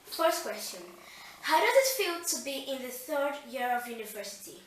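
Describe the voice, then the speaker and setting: A woman asks short interview questions in a plain, even way, her voice pitched a little high. She sounds set back from the mic, with a heavy room echo and faint noise behind her. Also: moderate pace, far from the mic. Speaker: interviewer, younger sister.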